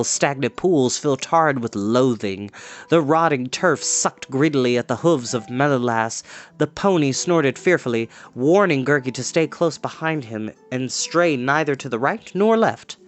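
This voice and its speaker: A storyteller giving a measured, expressive reading of a scripted adventure story. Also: mid-range voice. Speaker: storyteller reading a novel aloud.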